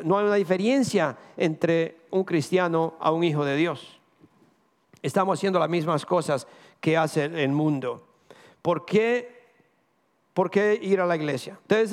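Male pastor, high voice, preaching with lots of rhetorical questions, church hall reverb. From Caribbean. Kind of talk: sermon.

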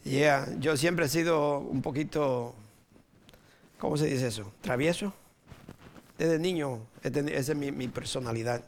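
A preacher from the Dominican Republic, a man in his sixties with a Dominican Spanish accent, delivers an informal sermon full of personal stories. He is playful, chuckles readily, and drops in English words. His pitch is fairly high, and there's a little hiss or hum.

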